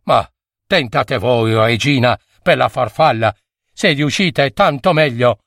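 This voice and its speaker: A man's voice: mid-range voice, takes it slowly, fairly bright tone, dry recording, studio quality, pitched below the performer's own voice. A man doing a fearful fairy-tale king. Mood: hesitant.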